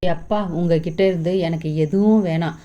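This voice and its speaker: Woman reading as a wounded, defiant young wife in a storybook, low mellow voice, slightly dull recording. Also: fairly even intonation, normal speed, lightly acted. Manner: mocking, firm, cold.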